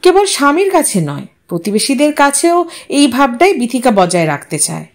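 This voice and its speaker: A woman's voice: high voice, very animated, moderate pace. A woman storyteller giving a scripted, dramatic narration of a short story.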